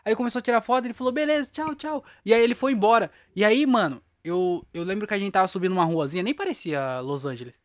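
This young podcast host talks rapid-fire in a high voice, barely pausing as he rambles through a long, slang-filled story and laughs at himself. It's a solo show recorded in studio quality with no echo.

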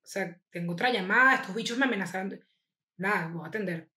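A young Venezuelan woman telling a wild family story in fast, slangy casual chat, acting out the people she quotes. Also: medium pitch. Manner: fast, slangy, animated retelling with acted quotes. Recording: echoey room.

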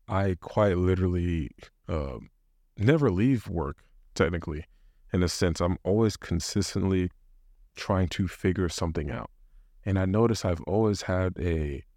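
A man's voice: low voice, darkish tone, no echo, studio quality. A man in his thirties hosting a solo podcast, talking casually and rambling with many restarts and fillers. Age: 30s. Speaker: podcast host.

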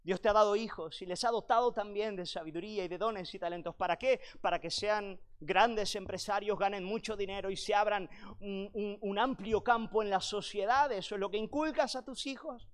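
A man's voice: high voice, moderate pace, smooth. A male pastor preaching a sermon at a retreat, telling a personal story and addressing the congregation as brothers and sisters. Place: church retreat hall.

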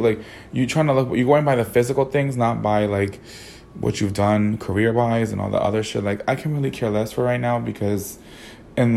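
A hoarse young man with a sassy, campy manner, telling a personal story as a podcast host while sitting in a car. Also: medium pitch, darkish tone, slight background noise. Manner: sassy, campy, swears a lot. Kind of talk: casual storytelling monologue.

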